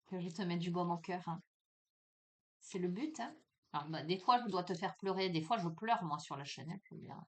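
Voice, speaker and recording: A woman giving a casual oracle card reading, chatting with many fillers and laughs and slowing down when she reads the card texts aloud. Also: fairly low pitch, a bit bright. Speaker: tarot and oracle card reader.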